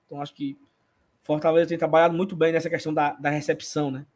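A husky, high-pitched man hosts a casual live fan show. He reads viewer comments aloud in a playful, chatty way, greeting each one. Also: flat delivery, racing, a little mellow. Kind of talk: casual live-stream chat.

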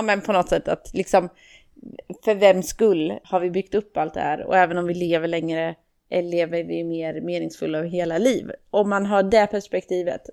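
Low, gravelly woman musing slowly. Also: darkish tone. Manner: hesitant, many fillers and restarts. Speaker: podcast co-host. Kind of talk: casual reflective discussion.

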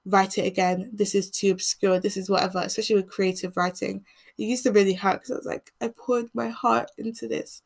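A young woman from England hosting a podcast, speaking in an earnest, measured monologue, with a voice that turns croaky as she keeps talking. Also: mid-range voice. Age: teens. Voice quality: croaky voice when speaking long. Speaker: podcast host. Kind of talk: reflective solo monologue.

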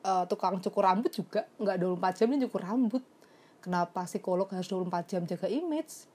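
A young woman who is a psychologist chats in a casual confessional vlog, reflective and full of fillers, slipping English phrases into her speech. Her voice is medium-pitched, husky and a little mellow, with lively intonation and a quick pace.

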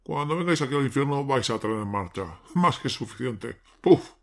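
A man's voice: mid-range voice, animated, normal speed, creaky. A man playing a devilish podcast host from hell, teasing listeners in colloquial, casual speech. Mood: mocking, casual. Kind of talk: casual in-character podcast sign-off.

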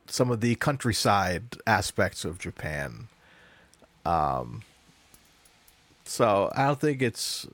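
A young man in casual podcast chat, talking in a rambling, animated way that keeps sliding into impressions. His voice sits a little low, recorded close and dry with almost no room sound. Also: dry recording. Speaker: podcast co-host.

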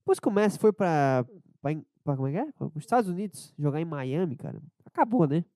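A man with a southern Brazilian accent rambling casually as a solo podcast host, low-energy and irreverent, hungover and under the weather with a cold. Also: sing-song, a little fast, mellow, dry recording, clean studio sound. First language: Portuguese. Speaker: podcast host and amateur comedian.

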